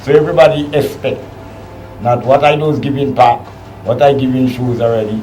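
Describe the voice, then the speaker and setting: Through noticeable background noise and audible room echo, a man of medium pitch talks at a fairly quick pace with fairly even intonation and long, frequent pauses. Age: 60s. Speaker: soca and calypso singer. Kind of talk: interview.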